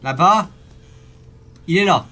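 A young man commentating a horror game live, swinging from startled yells to hushed muttering, full of slang. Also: high voice, expressive, slow. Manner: French street slang. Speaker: gaming youtuber.

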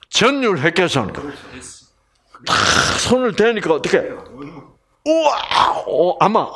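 A man from Gyeongsang Province giving a lively Bible lecture, often quizzing his audience. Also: a little high. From Gyeongsang Province, Korea. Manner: animated, keeps quizzing the audience.

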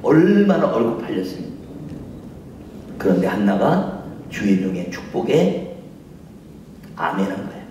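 A man preaching at a revival meeting as pastor, acting out conversations and breaking into shouts. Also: lowish voice, unhurried, pauses often, slight background noise. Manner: animated, shouts and acts out dialogue. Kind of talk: revival sermon. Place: large church revival meeting. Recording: echoey hall, mic from far off.

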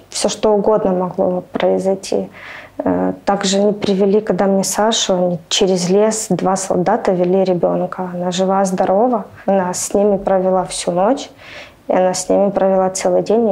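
Woman telling what happened, gravelly dark voice, slow and halting. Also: medium pitch. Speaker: interviewee. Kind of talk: emotional testimony.

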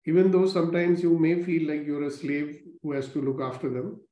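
A man guides listeners through a gratitude meditation in a slow, calm, repetitive way. His voice is mellow and sits a little high. The recording is roomy and dull.

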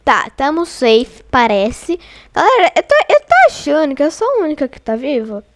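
A young Brazilian woman giving casual let's-play commentary, excitable and scared, chatting to her viewers. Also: high-pitched, normal speed. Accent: Brazilian Portuguese. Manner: excitable, frightened exclamations and chatty asides to viewers. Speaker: gaming channel host.

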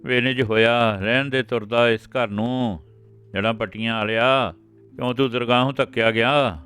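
A man's voice: on the low side, brisk, a bit bright, close to an everyday voice. Man voicing an older grandmother, wailing, imploring, a bit raised, faint music behind. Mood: scolding curses. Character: older village grandmother, pleading and scolding.

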